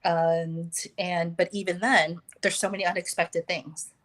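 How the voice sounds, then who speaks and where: An American woman talking as a guest in a casual conversation, pausing often with fillers and restarts. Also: fairly low pitch, level tone. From United States. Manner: hesitant, many fillers and restarts.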